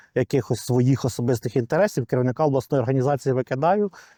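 The voice has a dark, mellow tone. The sound is dry and close with no echo, over a quiet background. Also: man. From Ukraine, Cherkasy region (Smila). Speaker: soldier, former city council secretary. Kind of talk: interview.

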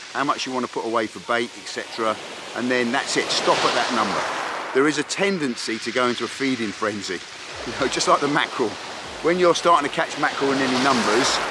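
Over loud background noise, a man talks at a fairly quick pace with ordinary pitch variation in a dry sound with no echo. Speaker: fishing instructor. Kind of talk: tutorial. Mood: earnest, preaching. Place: beach. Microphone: phone near.

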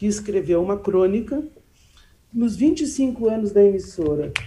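A woman speaks at a moderate pace in a medium pitch, somewhat breathy. Her tone is dark and mellow, and her intonation is lively. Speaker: researcher and former radio manager. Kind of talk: formal speech at public hearing. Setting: legislative hearing room. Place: home room. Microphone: video call.

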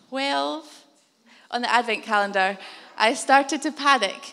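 A woman speaks in a raised, projected voice with a bright, sharp tone. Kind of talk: welcome address and reading. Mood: cheerful, laughing. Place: hall. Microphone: handheld.

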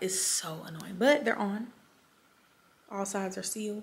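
A woman with a Southern US accent at a moderate pace. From Alabama, US South. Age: 20s. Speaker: lifestyle vlogger. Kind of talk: casual vlog talk to camera. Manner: upbeat, chatty. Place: home room. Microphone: phone near.

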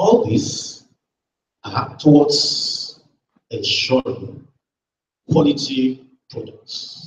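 A man with a Nigerian accent at a very slow pace, long and frequent pauses, audible room echo, and light background noise. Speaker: engineering professor. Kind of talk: lecture. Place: hall.

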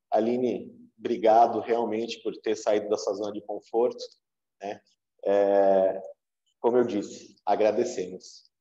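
There is audible room echo around the voice. A man speaks at a fairly slow pace. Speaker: lawyer. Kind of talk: webinar talk. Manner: informal. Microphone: video call.

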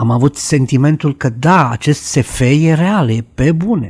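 Somewhat breathy speech unfolds at a very slow pace with ordinary pitch variation. The background is quiet. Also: man. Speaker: musician. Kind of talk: casual chat. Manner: halting. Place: studio. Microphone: studio mic.

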